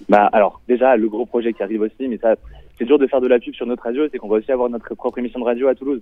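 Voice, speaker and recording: Speaking at a very fast pace, the man holds a medium pitch in a monotone, flat intonation. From eastern France, Nancy. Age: 20s. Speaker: medical student, student association president. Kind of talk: radio interview.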